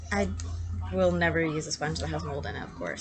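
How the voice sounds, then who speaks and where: A voice with a slight Southern US accent, amid noticeable background noise. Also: woman. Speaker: beauty YouTuber. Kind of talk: chatty get-ready-with-me vlog. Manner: casual, filler-heavy.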